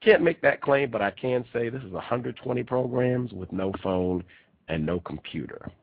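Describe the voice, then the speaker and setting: A man's voice: medium pitch, animated, normal speed, vocal fry, slightly rough, no echo. A man hosting a talk radio show, congested and nasal from a cold, delivering an emphatic monologue and repeating key phrases. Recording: tinny phone-line quality.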